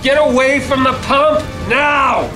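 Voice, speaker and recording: A man acting a high-pitched, commanding hot-tempered fighter. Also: steady tone, slow pace. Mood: urgent. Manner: urgent, commanding. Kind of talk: live staged radio play reading. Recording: stage reading with music underneath.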